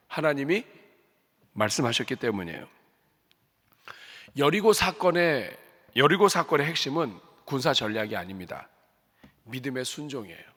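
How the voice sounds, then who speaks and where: Male pastor, slightly high voice, animated preaching with rhetorical questions, long church reverb. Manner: acts out prayers and God's commands in quoted voices. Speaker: senior pastor. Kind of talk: Sunday afternoon sermon. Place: church sanctuary.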